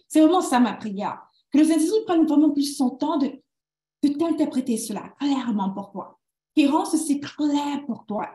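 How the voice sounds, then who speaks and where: Lively woman leading a live stream. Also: a little high, roomy sound. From Canada. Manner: energetic, mixes in English words, repeats herself. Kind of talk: live-streamed teaching and prayer.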